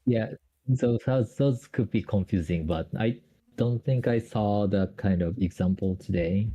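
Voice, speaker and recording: A man's voice: fairly low pitch, a little slow, mellow, slightly rough, rough recording. A Japanese man speaking English with a Japanese accent, explaining grammar on a call, hesitant with many fillers and restarts. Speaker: Japanese tutor.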